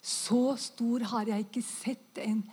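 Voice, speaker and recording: A woman giving an emotional faith testimony, dropping to whispers and bursting into loud praise as she tells her story. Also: a little high, steady tone, breathy edge. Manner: fervent, exclaims praise often.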